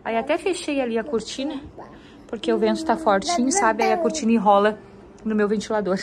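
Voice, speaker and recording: This homemaker vlogger, Brazilian Portuguese accent and all, talks to her audience indoors as she does housework and keeps switching to loving baby talk for her daughter. She sounds fairly high, expressive and quick, and crowd noise can be heard behind her.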